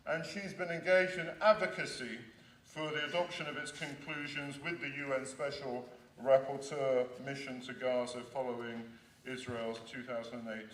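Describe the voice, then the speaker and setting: A man's voice: a little high, fairly bright tone. Man introducing a speaker in an echoey hall. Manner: formal, reading a prepared introduction. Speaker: event host introducing speakers. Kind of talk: formal introduction. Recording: echoey room, mic at a distance.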